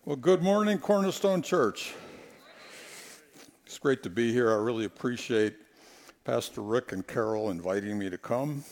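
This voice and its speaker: A middle-aged man delivers a sermon in a church sanctuary, speaking through a headset mic. His voice has a gravelly edge, and his pitch swings widely as he tells stories and acts out quotes. He moves between humorous anecdotes and scripture. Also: moderate pace, pauses often. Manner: animated, storytelling, acts out quotes. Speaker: guest preacher.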